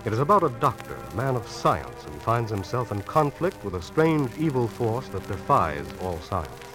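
Casting: spooky 1940s radio horror narrator, ominous and animated, vintage recording with strong music underneath. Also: male voice, fairly low pitch, moderate pace, low-quality recording. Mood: ominous, theatrical. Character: spooky playhouse host introducing tales of the supernatural. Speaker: host of a mystery radio show.

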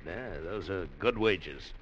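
An actor playing a gruff, blunt ship's skipper, 1940s radio acting. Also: male voice, deep voice, animated, slow, a bit bright, dull audio, heavily acted. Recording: hissy old radio recording.

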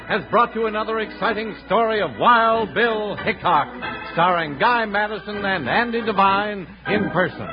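An American man announcing in old-time radio style, with an emphatic, polished sponsor-read delivery. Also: high-pitched. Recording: dull old radio recording, organ music behind.

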